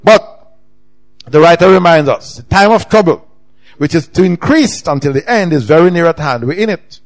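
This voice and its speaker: A middle-aged man with a Jamaican accent, preaching a sermon with emphatic swings in pitch and loudness. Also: expressive, brisk. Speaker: pastor.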